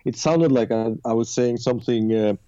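Mellow-voiced man, dull dry sound. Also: mid-range voice, no room sound. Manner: relaxed, halting, many fillers. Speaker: musician guest. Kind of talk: radio interview chat.

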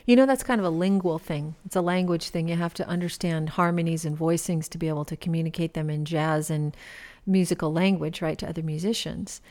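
A woman's voice: low-pitched, fairly even intonation, fairly quick, darkish tone. A woman hosting a radio show and interviewing a musician guest in a barn, talking in a chatty way with frequent ums and restarts.

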